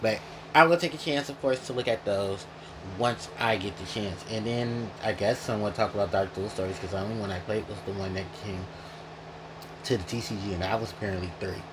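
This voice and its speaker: A man's voice: lowish voice, a little fast, background noise. A man hosting a casual gaming retrospective, rambling and correcting himself as he goes, chewing while he talks. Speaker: gaming video host.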